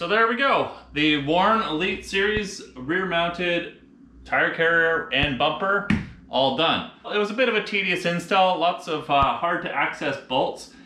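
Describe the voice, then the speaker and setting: A man speaks at a high pitch with ordinary pitch variation and a fairly slow pace. Room echo is audible. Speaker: car vlogger. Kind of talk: product review talk. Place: garage. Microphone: camera far.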